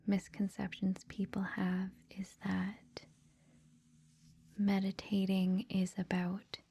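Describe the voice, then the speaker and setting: A woman speaks in a soft, extremely breathy ASMR whisper. Her delivery is slow and even, with little rise or fall. The tone is mellow, gentle and informal, reassuring the listener as a host would. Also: medium pitch. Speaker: ASMR host introducing a meditation series.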